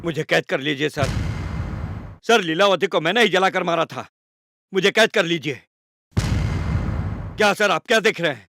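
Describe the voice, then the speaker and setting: A man's voice: fairly high pitch, expressive, unhurried, pauses often, pushed and bright, exaggerated voice. A man dubbing a remorseful male criminal who begs to be arrested for his crime. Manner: pleading, contrite. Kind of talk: Hindi film dub. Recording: film score under the voice.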